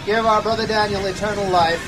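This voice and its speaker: A male actor plays a solemn priest at a burial in a radio drama. His voice is high for a man, intoning liturgy in measured phrases. Music plays clearly underneath. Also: fairly even intonation, natural voice. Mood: solemn praying.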